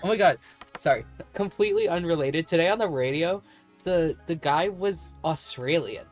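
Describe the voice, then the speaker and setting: A woman's voice: fairly low pitch, moderate pace. A woman streamer chatting casually while playing a game, rambling and laughing often. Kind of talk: casual chat while gaming. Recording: faint music behind.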